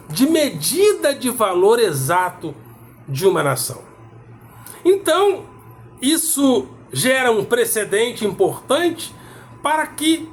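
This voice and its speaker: A man lecturing on philosophy, measured and emphatic, repeating key words for weight. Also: extremely high pitch. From South America. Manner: measured, emphatic repetition with pauses. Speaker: philosophy teacher. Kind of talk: explanatory lecture.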